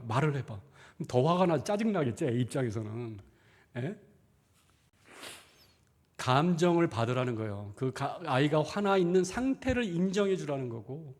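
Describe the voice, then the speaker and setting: A man's voice: fairly high pitch, a little mellow. A middle-aged man, a pastor, preaching a conversational sermon in a church, asking rhetorical questions and acting out inner thoughts. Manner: acts out inner thoughts in quoted asides. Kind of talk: sermon seminar. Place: church sanctuary.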